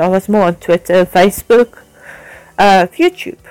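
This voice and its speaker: In a South African accent, a woman speaks at a fairly slow pace and medium pitch, with a dry, close sound and no echo. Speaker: Twitch streamer. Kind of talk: unscripted personal monologue. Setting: recording at home while doing chores. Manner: halting.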